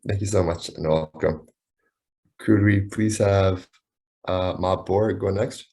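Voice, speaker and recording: Guy with a really low voice running a video call, polite and formal, asks people to go next. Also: steady tone, slow pace, darkish tone. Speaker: webinar moderator. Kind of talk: calling on speakers in an online meeting.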